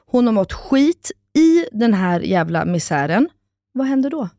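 Woman, thirties, fairly high voice, lively storyteller, swears casually, dry close recording. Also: no room sound. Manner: animated storytelling, acts out quotes, swears casually. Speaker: podcast co-host. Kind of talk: casual chat.

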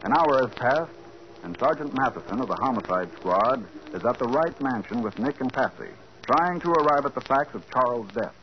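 A man's voice: medium pitch, lively intonation, a little fast, background noise, lightly acted. A man narrating a crime drama as an announcer, in scripted 1940s radio style. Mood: dramatic. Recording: dull 1940s radio recording with music.

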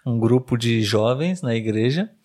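A man's voice: mid-range voice, expressive, unhurried, darkish tone. A man in his thirties with a Brazilian accent, chatting casually as a podcast host and tutor for language learners. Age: 30s.

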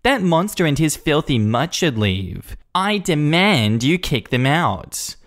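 A man's voice: on the high side, sing-song, slow pace, fairly bright tone, pitched above the performer's own voice, full character voice. A man voicing a rude, entitled middle-aged woman who screeches and sneers at everyone. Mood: indignant.

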